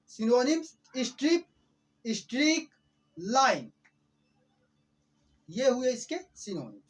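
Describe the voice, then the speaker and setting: A man teaching English vocabulary who keeps asking quick questions and repeating each word before answering it. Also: extremely high pitch. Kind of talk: explanatory vocabulary lesson.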